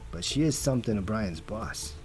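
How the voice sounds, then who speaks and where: A man's voice: lowish voice, animated, moderate pace, darkish tone, soft background music, close to an everyday voice. An actor playing a dry, confident, street-smart male detective in a noir audio drama. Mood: wry. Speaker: private investigator.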